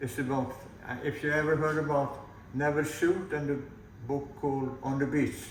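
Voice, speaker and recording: A man speaks with monotone, flat intonation. Room echo is audible, and there is noticeable background noise. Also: fairly high pitch for a man, moderate pace. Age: 80s+. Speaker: sailor and boat designer. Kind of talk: casual chat.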